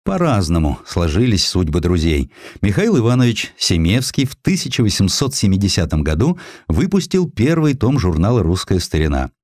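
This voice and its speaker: Low-voiced man, animated literary narrator. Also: no room sound, studio quality. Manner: theatrical storytelling, acts out quoted dialogue. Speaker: audiobook narrator. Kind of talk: expressive scripted literary narration.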